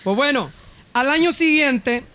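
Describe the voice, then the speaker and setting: A man's voice: very high voice, animated, measured pace, bright, forceful tone. A man with a Mexican Spanish accent telling stories in crude, slangy casual banter as a podcast co-host. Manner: crude slangy storytelling, frequent laughter.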